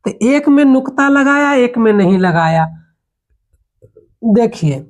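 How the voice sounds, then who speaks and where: A patient teacher, a man, explains grammar in a classroom manner. He says each example word slowly and repeats it, and he keeps checking that his listeners are with him. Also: very high-pitched, animated. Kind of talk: classroom lesson.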